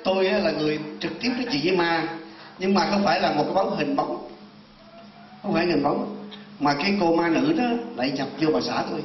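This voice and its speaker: A man's voice: on the high side, a little fast, a little hiss or hum. A man in his sixties from Vietnam, a Buddhist monk teacher, telling a story animatedly in a sermon and turning often to his listeners. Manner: animated, addresses audience directly. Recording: roomy, distant, dull hall recording.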